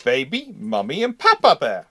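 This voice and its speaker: A man's voice: mid-range voice, huge pitch swings, moderate pace, bright, forceful tone. A man hosting a casual live question-and-answer discussion, explaining things with playful asides. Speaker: host answering viewer questions.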